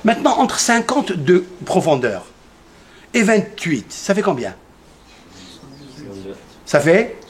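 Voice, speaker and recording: Speaking slowly and pausing often, a rabbi with a high, very animated voice leads a lively Torah class for his congregation in a synagogue. He poses questions to his listeners and answers them himself, repeating key numbers emphatically.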